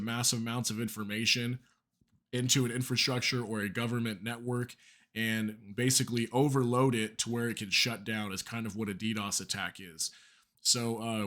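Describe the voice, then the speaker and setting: A man's voice: mid-range voice, fairly bright tone. Man hosting news with a failing voice. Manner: chatty, many fillers and asides. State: losing his voice, under the weather. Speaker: news channel host. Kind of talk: casual news commentary, reading articles aloud.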